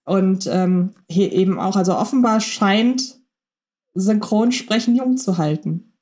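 A woman's voice: mid-range voice, a little slow, darkish tone. A woman co-hosting a podcast about radio plays, chatting casually with many fillers and restarts. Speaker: podcast co-host.

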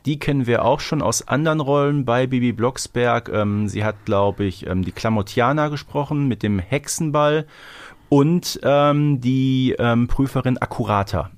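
A man talks as a podcast co-host in a casual, slightly wry way, often tagging his remarks with little questions. His voice sits at an average pitch and is recorded very dry. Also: moderate pace, dry recording. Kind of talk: casual review chat about audio dramas.

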